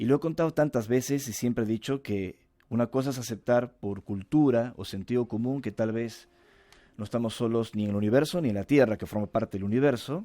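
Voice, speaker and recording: Delivered at a fairly quick pace in a Lima accent, the voice has a dark, mellow tone and ordinary pitch variation, with a dry, close sound with no echo in a very clean recording with a silent background. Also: man, medium pitch for a man. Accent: Lima Peruvian Spanish. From Peru, Lima. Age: 40s. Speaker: author and UFO researcher. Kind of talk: interview.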